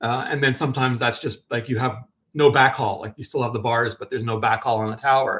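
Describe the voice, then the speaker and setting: Speaking very fast in a monotone, flat intonation, a man at medium pitch talks with a Montreal accent. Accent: Canadian English (Montreal anglophone). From Montreal, Quebec (English-speaking). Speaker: tech commentator / YouTuber. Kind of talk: livestream commentary answering chat questions. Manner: casual, with many fillers and restarts.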